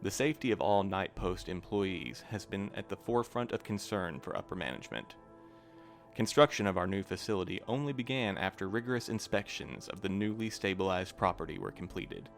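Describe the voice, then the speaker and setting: A man playing a stiff, officious postmaster reading a formal staff letter in an audio drama, in a measured way. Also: sits low, sing-song, gravelly, soft background music, heavily acted.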